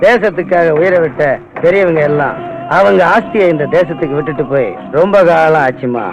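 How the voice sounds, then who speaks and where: A man's voice: on the high side, fairly quick, close to an everyday voice. A man playing a sneering gangster. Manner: sneering, laughing, lecturing. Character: mocking smug male gangster, middle-aged. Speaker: gangster holding a minister's daughter. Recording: dull lo-fi film soundtrack with music.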